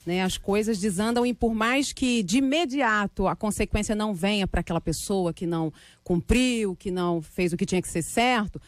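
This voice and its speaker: A woman's voice: medium pitch, normal speed, few pauses, no echo. A woman on a radio panel giving religious commentary in a preacherly, explanatory way. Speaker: debate panelist, gospel singer. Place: dry radio studio.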